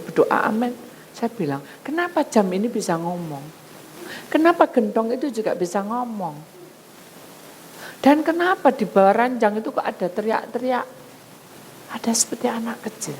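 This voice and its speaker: A woman pastor, preaching a sermon as she tells a story and acts out its voices with big swings in pitch and loudness. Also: slight background noise, low-quality recording.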